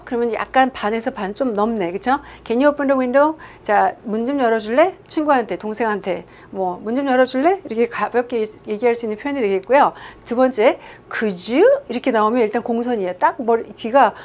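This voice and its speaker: A woman teaching English to a class. She asks the class questions and acts out short example dialogues. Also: a little high. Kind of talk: lecture-style English lesson.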